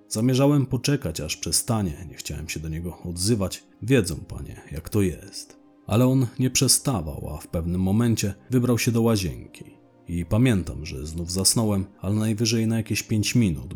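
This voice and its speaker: Male narrator, deep, husky, blunt and slangy, telling a crime tale over quiet music. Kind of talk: first-person crime story narration.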